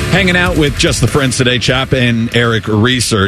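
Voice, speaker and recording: A man talks in an ordinary speaking voice at a medium pitch. His pace is fairly quick, and his intonation is lively. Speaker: radio host. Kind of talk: live sports talk radio, casual chat. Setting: studio. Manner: conversational, thoughtful, earnest.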